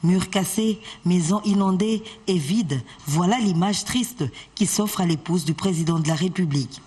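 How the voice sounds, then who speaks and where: A woman reading a formal news report as a voice-over, steady and even. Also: fairly low pitch, moderate pace, breathy edge.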